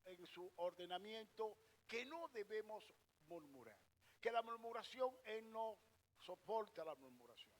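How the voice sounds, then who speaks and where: High-voiced preacher. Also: male voice, lively intonation, unhurried. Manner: asks the congregation rhetorical questions and answers them himself; directs a scripture reader between points. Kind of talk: sermon.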